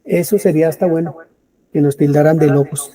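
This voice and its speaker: A man's voice: a little high, fairly even intonation, fairly quick, warm tone. A man preaching a sermon to a congregation, asking them questions and answering them himself. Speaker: preacher leading a Bible study.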